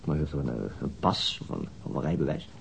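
An actor playing a weary, hesitant, middle-aged police detective in a naturalistic radio drama. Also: male voice, extremely low pitch, fast talker, creaky, a little hiss or hum. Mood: subdued, apologetic. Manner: hesitant, understated. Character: weary, terse male police detective and father.

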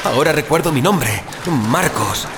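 A man's voice: fairly high pitch, expressive, normal speed, over loud music, natural voice. A man playing an anguished, dazed amnesiac survivor in a first-person audio drama, with theatrical gasps and exclamations. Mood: pained, distressed.

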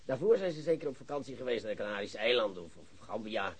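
An actor playing an excitable, boastful police chief who lectures his colleagues in a radio play. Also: mid-range voice, fast, slightly rough. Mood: excited, lecturing. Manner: animated, theatrical, lecturing colleagues. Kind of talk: Dutch radio drama acting.

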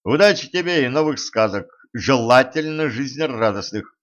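A cocky young trainee who mocks and talks with easy confidence, as a male reader acts him out. His voice sits at a middle pitch. The recording is slightly muffled. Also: lively intonation, moderate pace, fairly bright tone, lightly acted. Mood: confident. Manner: confident, mocking.

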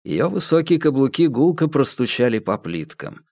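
Guy reading an audiobook, steady, kinda lively pitch, dry close sound. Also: moderate pace, no room sound. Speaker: audiobook narrator. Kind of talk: scripted narration.

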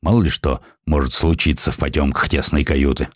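A man voicing a gruff, arrogant middle-aged British magnate in a storybook reading, gloomy, blunt and grandiose. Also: extremely low pitch, fairly even intonation, fairly quick, no echo, studio quality, pitched below the performer's own voice. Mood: confiding, impressed.

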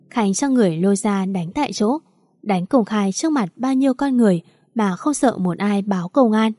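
Female storyteller, steady and dramatic; mellow tone, dry recording. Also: mid-range voice, no echo. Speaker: narrator. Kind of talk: scripted story narration.

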